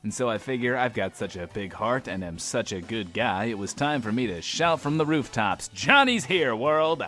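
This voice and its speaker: A man's voice: mid-range voice, animated, normal speed, pushed and bright, faint music behind. An actor playing a brash, self-loving radio DJ in a post-apocalyptic audio drama, with theatrical, wry showman patter. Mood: brash, grandstanding. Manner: smug, theatrical, wry, refers to himself by name. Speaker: radio host. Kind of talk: in-world radio show monologue, showman patter.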